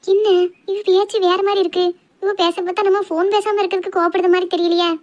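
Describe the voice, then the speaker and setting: Woman voicing a very high, quick cartoon girl. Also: flat delivery, a little mellow. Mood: puzzled, pleading. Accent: southern Tamil Nadu Tamil. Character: sweet, easily wounded young girl in love. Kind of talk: amateur cartoon love drama voice acting.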